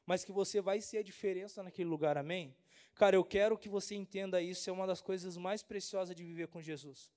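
A man's voice: sits high, fairly even intonation, quick pace, darkish tone. A young man from Brazil, a pastor giving a casual, slangy youth sermon and often asking the crowd if they understand.

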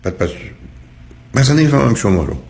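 A man's voice: medium pitch, sing-song, vocal fry, darkish tone. An older man hosting a call-in counseling show, talking to callers in a blunt, teasing, lecturing way. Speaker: counselor host. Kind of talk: call-in advice talk.

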